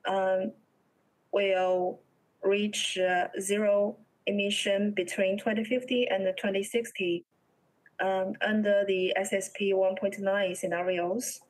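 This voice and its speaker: A young woman with a Chinese accent presents research at a slow pace. Her pitch stays level with little variation. Her delivery is halting and hesitant, in the style of an academic talk on a video call. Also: flat delivery, poor audio.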